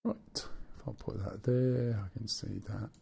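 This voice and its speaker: A man's voice: on the low side, steady tone, measured pace, creaky, warm tone, slightly rough. A man with a Black Country accent chatting casually while live-streaming a flight game and reading viewer chat aloud.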